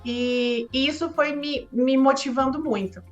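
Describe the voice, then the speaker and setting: A woman who works as an educational consultant, talking earnestly in a relaxed podcast conversation and often tagging her sentences with filler words. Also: high-pitched, measured pace, dull audio, soft background music. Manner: earnest, frequent filler tags.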